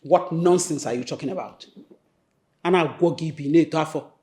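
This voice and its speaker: A woman's voice: sits low, moderate pace, darkish tone, reverberant, lightly acted. An actress playing a domineering middle-aged mother who scolds her son for not giving her grandchildren. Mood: scolding. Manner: scolding, bossy. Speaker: actor. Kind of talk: melodrama acting.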